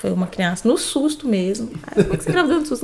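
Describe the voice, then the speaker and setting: A woman speaks with a bright, sharp tone. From Minas Gerais, Brazil (Sabará / Belo Horizonte area). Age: 20s. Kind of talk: casual podcast interview.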